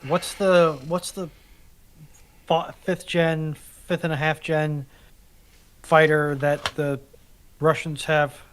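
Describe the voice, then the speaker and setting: Slow-paced, wry man in casual discussion. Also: fairly high pitch, little pitch movement, slight background noise. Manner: wry, dryly sarcastic. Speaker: co-panelist in discussion. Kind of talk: casual conversational commentary.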